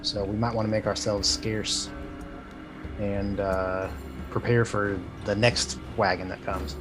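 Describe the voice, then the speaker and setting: A man playing a tabletop game, laying out a plan in a measured way. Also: lowish voice, level tone, over music. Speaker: player. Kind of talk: tabletop role-play chat.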